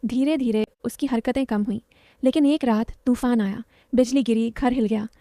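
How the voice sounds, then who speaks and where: A woman's voice: fairly high pitch, steady tone, moderate pace, warm tone, no echo, studio quality. A woman narrating a story in the first person, in a confiding, dramatic way.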